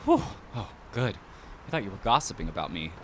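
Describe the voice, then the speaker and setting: A man's voice: on the low side, very animated, fairly quick, a little hiss or hum. A man playing a nosy, playful young coffee shop worker in casual audio drama dialogue. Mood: teasing, curious.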